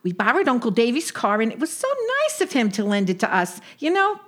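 A woman's voice: mid-range voice, expressive, takes it slowly. A woman voicing a bossy, practical sister who scolds and coaxes her anxious sibling in a comedy skit. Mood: coaxing. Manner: scolding, exasperated.

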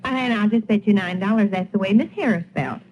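A woman's voice: medium pitch, brisk, close to an everyday voice. A woman playing a chatty, easily amazed small-town housewife in a 1940s radio play, with folksy speech. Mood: gossipy. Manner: gossipy, folksy exclamations. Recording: dull, hissy vintage radio recording.

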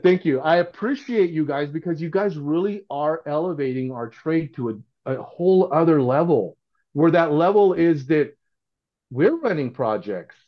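A man's voice: fairly high pitch, animated, normal speed. A middle-aged man, a podcast guest talking casually and earnestly, often restarting his sentences. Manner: earnest, rambling, with frequent restarts. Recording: dull, lo-fi sound.

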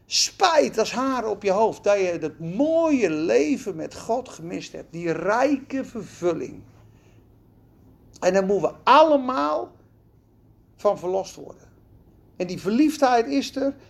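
A preacher delivering a sermon in an animated, emphatic way, with folksy turns of phrase. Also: medium pitch, slow pace, gravelly.

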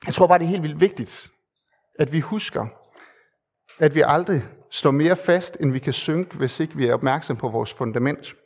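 Delivering a sermon, this male preacher has a fairly high, slightly mellow voice. His tone is earnest and conversational, with filler pauses and repeated phrases used for emphasis.

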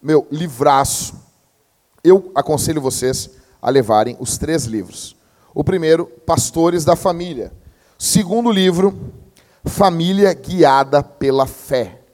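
A young adult man, preaching a sermon as pastor in a slangy, animated storytelling manner. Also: on the high side, slow pace. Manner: slangy, animated storytelling, peppered with "meu" and "cara".

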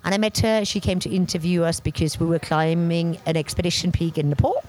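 Loud, lively woman from Bavaria. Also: on the low side, fairly quick. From Germany, Bavaria. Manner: loud, animated storyteller. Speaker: interview guest, expedition record keeper. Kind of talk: casual interview talk.

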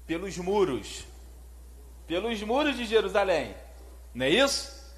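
High-voiced animated preacher man. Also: unhurried. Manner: animated, conversational, asks the audience questions. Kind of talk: sermon.

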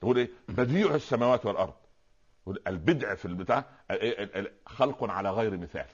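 A lower-pitched man with an Egyptian Arabic accent, talking very fast as he explains religious terms on a talk show. He keeps asking rhetorical questions to draw his listener in. The sound is dull and lo-fi. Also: expressive, breathy edge. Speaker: Islamic preacher, guest scholar.

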